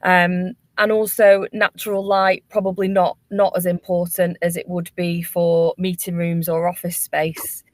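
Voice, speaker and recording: Female webinar panellist, lowish voice with flat intonation, giving considered, practical answers. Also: measured pace, few pauses, no room sound.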